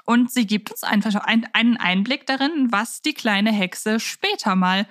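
A woman's voice: a little high, lively intonation, measured pace, fairly bright tone, no echo, clean studio sound. A woman co-hosting a podcast in a conversational, reflective way, explaining things in detail. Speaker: podcast co-host.

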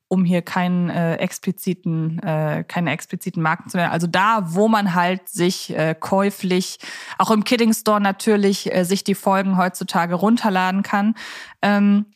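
A woman chatting casually as a podcast host. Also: medium pitch.

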